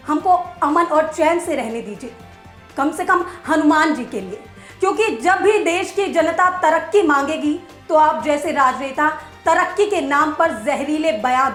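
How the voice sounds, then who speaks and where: A woman's voice: high voice, a bit bright. A woman news presenter delivers scripted commentary, emphatic and rhetorical with a sarcastic edge. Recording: echoey room with music behind.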